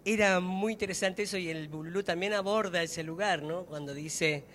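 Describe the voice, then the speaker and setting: A man with an Argentine accent speaks in a fairly high voice, recorded with the long reverb of a hall. He talks reflectively about his craft, pausing and searching for words as he thinks aloud. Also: fairly bright tone, a little hiss or hum. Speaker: actor and theatre maker. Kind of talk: reflective public conversation about theatre. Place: public talk in a hall.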